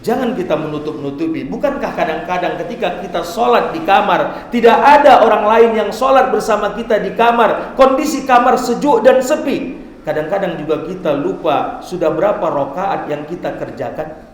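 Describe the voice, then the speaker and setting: A man giving a Friday sermon in a mosque, slowing down for drawn-out Quranic recitation. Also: sits high, animated. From Indonesia. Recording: echoey mosque hall.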